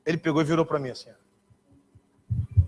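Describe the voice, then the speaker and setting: A man preaching a sermon as a pastor, telling a story in an animated, dramatic way and mimicking other voices. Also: fairly high pitch, a little slow. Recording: reverberant hall.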